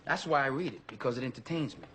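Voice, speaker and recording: An actor playing a domineering middle-aged cop in a film scene, talking in a bossy, taunting way. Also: male voice, mid-range voice, animated, fast talker, fairly bright tone, a little hiss or hum, natural voice. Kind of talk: film drama acting.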